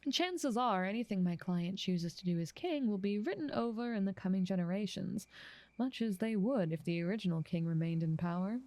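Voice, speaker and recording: In an ASMR roleplay, a woman plays an ancient, motherly vampire, her lowish natural voice soft and half-whispered. She sounds doting and possessive, speaking in an unhurried, genteel manner with no room sound.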